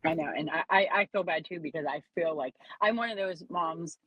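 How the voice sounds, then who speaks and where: Husky-voiced mother chatting about her kids. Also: sits low, fairly quick, a bit bright, no echo, rough recording. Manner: rambling, laughs often. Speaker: parent. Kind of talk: casual chat.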